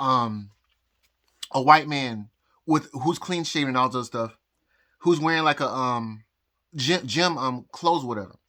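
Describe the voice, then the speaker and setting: Bright-voiced man rambling, halting speech. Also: on the high side. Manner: halting, repeats words, frequent pauses and nervous laughs. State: out of breath. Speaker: vlogger. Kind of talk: rambling personal story to camera. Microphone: phone recording.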